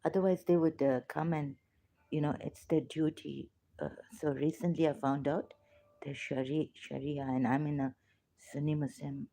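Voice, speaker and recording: A woman with a Pakistani accent speaks in a personal monologue to her camera. Her voice sits low and sounds warm and soft-edged. She talks with many pauses and filler sounds. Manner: hesitant, full of filler sounds. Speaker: vlogger.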